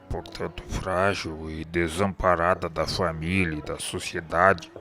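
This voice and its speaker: A man's voice: sits low, fairly bright tone. A man acting a tormented, remorseful killer in a radio drama, solemn and declamatory in formal literary speech. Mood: remorseful, fervent. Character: tormented, remorseful man haunted by his murder.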